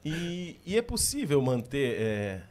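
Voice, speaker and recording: A man's voice: mid-range voice, sing-song, slow, a little mellow. A man with a Brazilian accent hosting a podcast, interviewing in a conversational and agreeable manner. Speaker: podcast host.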